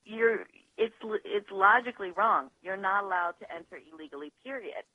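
A woman lawyer, a guest on a radio show, talking over the phone in a measured, analytical way with some hesitations. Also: medium pitch, husky, no echo. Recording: dull phone line, dry.

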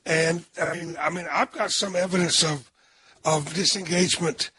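An older man with a hoarse voice, hosting a radio talk show in a chatty, rambling way. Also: a little high, steady tone, moderate pace, bright, forceful tone, a little hiss or hum.

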